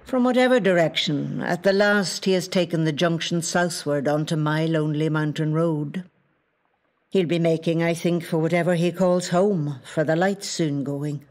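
An actress with a Northern Irish accent playing an ancient, watchful lake spirit in a literary audio drama, speaking in measured, hushed poetry. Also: female voice, low voice, close to an everyday voice. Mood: intent, watchful. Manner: measured, hushed, poetic storytelling. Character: ancient female spirit of a wild mountain lake, watchful, possessive.

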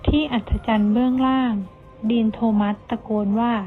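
A woman reading a storybook aloud in Thai, lively, shifting her voice for the characters. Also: a little high, normal speed. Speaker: audiobook reader. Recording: tinny phone-like sound with faint music.

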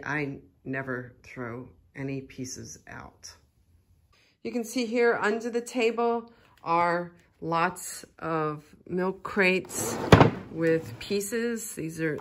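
Deep and a bit bright, this middle-aged woman's voice carries a Philadelphia American accent over slight background noise. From Philadelphia, United States, she's an artist giving a casual studio tour, explaining things in a chatty way.

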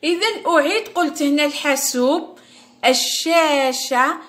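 A woman teacher with an Algerian Arabic accent, patiently explaining an exam to young pupils and repeating each word slowly for them. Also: high-pitched, fairly bright tone. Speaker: primary school teacher. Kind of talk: lesson explaining a first-grade exam. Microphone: recorded at her device, screen-share style.

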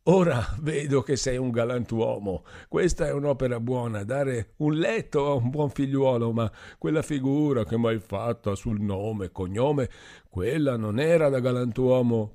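A man voicing a boastful, drunk young man who shouts and slurs his words. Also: mid-range voice, a little slow, voice pushed up, natural voice. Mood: tipsy, boastful. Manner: slurred, shouting, excitable.

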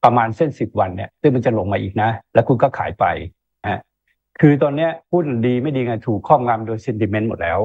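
A man's voice: medium pitch, lively intonation, fairly quick, breathy edge, no room sound. A man in an interview giving stock market commentary, talking emphatically and checking in with rhetorical questions, over a tinny phone-line sound. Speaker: investment analyst guest.

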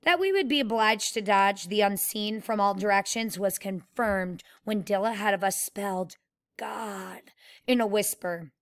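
A woman reading a novel aloud in a steady, plain way and pausing to explain the story like a teacher. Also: medium pitch.

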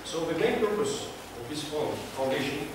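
A man's voice: a little high, normal speed. Young man, club speech, hesitant fillers, from Kazakhstan, echoey room, distant camera, noisy. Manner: hesitant, many uh fillers, earnest. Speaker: club speaker. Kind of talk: prepared speech to an audience. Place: small meeting room, indoors. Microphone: far camera, no mic.

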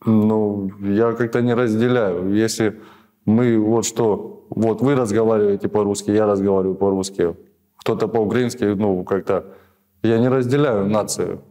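Hesitant low-voiced man, rambling. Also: fairly even intonation, normal speed, mellow. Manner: hesitant, rambling, many restarts and fillers. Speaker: prisoner of war being interviewed. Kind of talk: halting conversational answers. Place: small office indoors.

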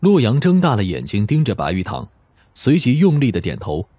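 A man's voice: medium pitch, huge pitch swings, moderate pace, warm tone, no echo. A man narrating a novel in a scripted, dramatic audiobook style.

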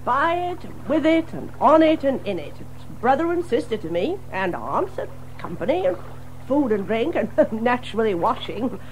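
A woman's voice: on the high side, very animated, moderate pace, slight background noise, poor audio. A woman playing a chatty, friendly water rat in a children's audio drama, hearty and exclamatory. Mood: fond, amused. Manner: hearty, exclamatory, chuckling and hesitating.

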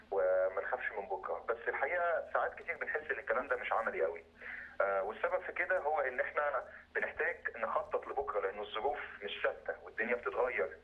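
Egyptian male caller over a phone line, fast, earnest and hesitant. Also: medium pitch. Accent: Egyptian Arabic. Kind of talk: phone-in question.

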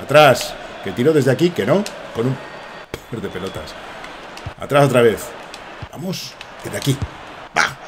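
A young man from Spain with a Spanish accent, giving rambling, excitable commentary while playing a soccer game and swearing often. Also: mid-range voice, measured pace, long pauses, a little hiss or hum. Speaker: gaming streamer.

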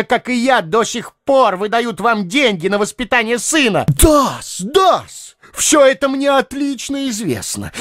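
A man voicing an aging, heavyset male doctor in an audiobook, moving from a soft tender half-whisper to bitter shouting. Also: lowish voice, breathy edge, no echo, studio quality, exaggerated voice. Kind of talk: audiobook character voice.

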